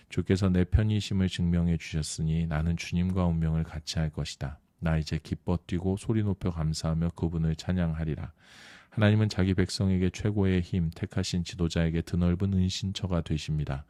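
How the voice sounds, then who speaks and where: Man, scripture reader, very low voice, mellow dark tone, steady measured reading, dry close recording. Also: no echo. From South Korea.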